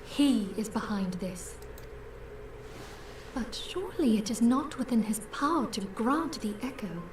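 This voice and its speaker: An actress playing a solemn, noble woman leader in a fantasy game, speaking in formal, archaic, measured phrases. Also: a little high, expressive. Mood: grave, resolute. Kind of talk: fantasy video game voice acting. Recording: roomy distant game audio, noisy background.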